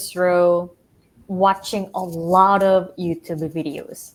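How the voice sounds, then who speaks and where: A woman with a Korean accent speaks at a medium pitch. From South Korea. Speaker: English learning platform representative. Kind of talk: live-streamed interview. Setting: online live stream. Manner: hesitant, with fillers.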